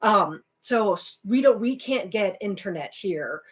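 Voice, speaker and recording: Calm woman explaining things at length. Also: medium pitch, a little slow. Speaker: livestream co-host. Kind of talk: casual livestream chat.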